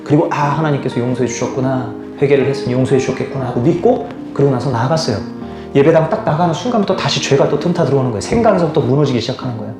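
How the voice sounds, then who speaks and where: A young male pastor preaching a sermon, swinging from loud pleading to hushed, low tones. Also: rapid-fire, roomy sound. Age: young adult. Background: guitar music.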